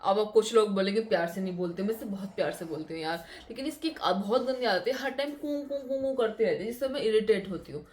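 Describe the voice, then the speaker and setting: A woman's voice: mid-range voice, fast, few pauses, darkish tone, slight background noise. A young woman, chatting casually to viewers in a home vlog, repeating words for emphasis. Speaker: vlogger. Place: home, indoors.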